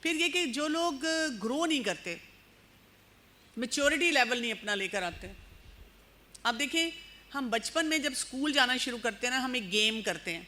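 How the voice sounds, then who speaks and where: Bright-voiced woman giving a lively lecture. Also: high voice. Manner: lively, frank, acts out little scenes. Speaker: speaker on parenting and youth.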